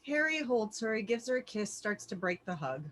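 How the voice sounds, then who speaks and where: Script narrator: woman, bright forceful tone, mid pitch, expressive reading of scene directions. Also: normal speed. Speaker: stage directions reader. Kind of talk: scripted narration at a virtual table read.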